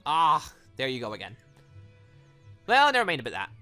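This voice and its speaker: A confident, teasing young woman from a visual novel, read out by a gamer. The delivery is assertive and casual, in a bright voice with faint music behind it. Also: medium pitch, wildly swooping pitch, normal speed, pitched below the performer's own voice. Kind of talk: reading visual novel dialogue aloud.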